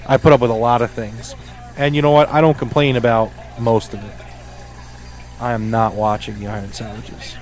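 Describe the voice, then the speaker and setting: A man's voice: medium pitch, level tone, moderate pace. A married man co-hosting a live reaction show, talking emphatically and repeating his refusals in exasperation. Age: adult, married. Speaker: podcast co-host.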